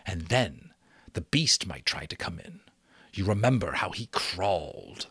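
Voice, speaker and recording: A man's voice: sits low, sing-song, unhurried, sharp tone, breathy edge, no echo, heavily acted. A man voicing a young tribal chief in an audiobook, giving solemn, emphatic orders. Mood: earnest warning.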